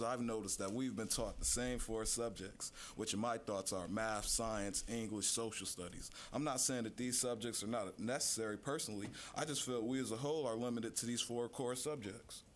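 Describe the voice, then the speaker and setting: A man's voice: lowish voice, a little hiss or hum. Teen boy reading a prepared speech. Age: teens. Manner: measured, reads list items slowly. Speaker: student speaker. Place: city hall chamber.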